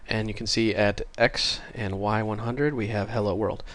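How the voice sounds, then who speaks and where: Still a little congested after a cold, this man runs a screen-recorded programming tutorial in a casual, apologetic way, often correcting himself. His voice is on the low side and fairly bright, with fairly even intonation at a normal speed.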